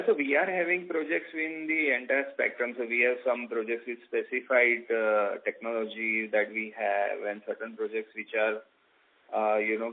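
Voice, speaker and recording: A man with an Indian accent speaking as a company executive on an earnings call, in halting, formal, measured phrases. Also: mid-range voice, slight background noise. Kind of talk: earnings call presentation and answers. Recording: dull band-limited conference call audio.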